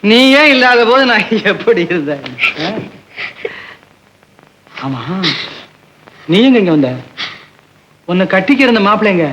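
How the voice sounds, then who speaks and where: A man's voice: sits high, big pitch swings, a little slow, pauses often, background noise. A man playing a film hero in 1960s Tamil cinema, speaking in declamatory dialogue. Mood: tender. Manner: declamatory, lamenting then tender. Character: man who faked being a drunkard to win back his love. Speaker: film hero, the woman's lover. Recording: old film soundtrack with loud music.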